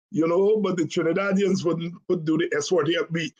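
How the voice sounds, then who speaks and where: A middle-aged man from Guyana with a Guyanese accent, hosting a casual political talk in an unhurried, musing way with many fillers and restarts. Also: a little high, a little mellow, lo-fi sound. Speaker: host.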